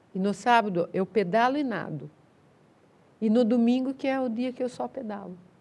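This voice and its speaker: With long, frequent pauses, a woman speaks at a moderate pace in a fairly high pitch with ordinary pitch variation. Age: 50s. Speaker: foundation administrator and amateur runner. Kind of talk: TV interview.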